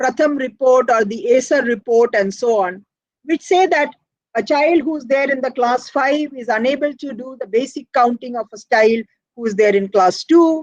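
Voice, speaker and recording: A woman speaks at a moderate pace in a Keralan accent, her pitch high. The sound is dry and close with no echo, and her pitch varies in an ordinary way. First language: Malayalam. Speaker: education policy expert. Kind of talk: webinar lecture. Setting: online webinar.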